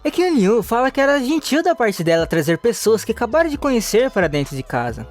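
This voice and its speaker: A man tells a manga story in a high, bright register, his pitch swooping up and down as he narrates. Soft music plays faintly behind him throughout. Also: brisk. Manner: lively storytelling with rising and falling pitch. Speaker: recap narrator. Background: faint background music.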